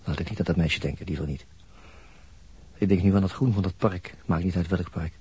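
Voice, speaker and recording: Deep, husky, brooding man as crime-drama narrator. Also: dark tone. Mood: brooding, haunted. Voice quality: husky, breathy. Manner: slow, introspective, halting monologue. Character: brooding, weary male narrator haunted by a murder.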